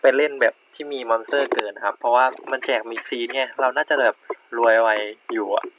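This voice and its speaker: A young man giving casual commentary on his gameplay, relaxed and thinking aloud with many fillers. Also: mid-range voice, fairly quick, noisy background. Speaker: gaming YouTuber. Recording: game music playing behind.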